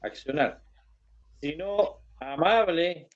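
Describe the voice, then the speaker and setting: A man's voice: on the high side, lo-fi sound, crowd noise. Man reading scripture in Bible class. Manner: halting, reads verses slowly. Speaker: Bible study participant reading aloud.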